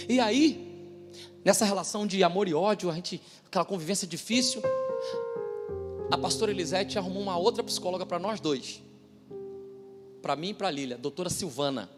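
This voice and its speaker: Male pastor, high-pitched, testifying emphatically, shifting from loud bursts to near-whispers; church hall with long reverb. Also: animated, fairly quick, pauses often, music in the background. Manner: emphatic storytelling, swinging between loud outbursts and hushed asides. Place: church service.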